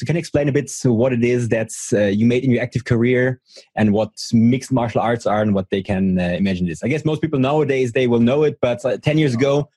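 Husky man asking halting questions. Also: medium pitch, mellow, no room sound. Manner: hesitant, many fillers, short affirmations. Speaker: interviewer, host. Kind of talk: interview questions.

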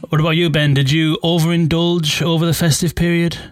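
A man's voice: on the high side, level tone, a little fast. Chatty man hosting a podcast. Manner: chatty, laughs easily. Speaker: podcast host. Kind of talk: casual interview chat.

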